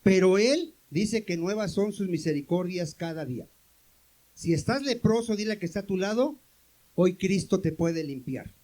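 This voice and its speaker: Male pastor, high voice, questions-and-answers sermon style with calls for amens. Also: expressive, normal speed, a little mellow, rough recording. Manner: questions the congregation and answers himself.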